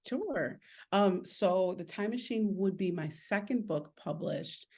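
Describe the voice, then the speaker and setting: A woman's voice: medium pitch, animated, slow, darkish tone. A woman guest chatting casually in a video call interview about creative work, speaking in an earnest, appreciative way. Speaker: illustrator and author guest.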